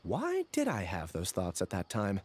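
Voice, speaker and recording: A man voicing a gentle, apologetic young scholar in an anime-style video game, polite and hesitant. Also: low-pitched, huge pitch swings, moderate pace, slight background noise. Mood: reflective.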